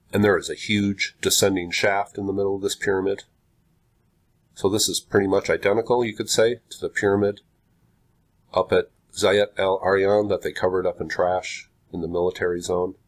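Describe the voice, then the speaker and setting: A man with a slightly low voice, sounding stuffed up and congested. He talks in a casual, unhurried way, breaking his sentences with pauses as he thinks. Now and then he reads aloud in the same easygoing tone. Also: fairly even intonation. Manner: slow, halting, with frequent pauses. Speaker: video host. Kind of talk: casual commentary, reading aloud from a website.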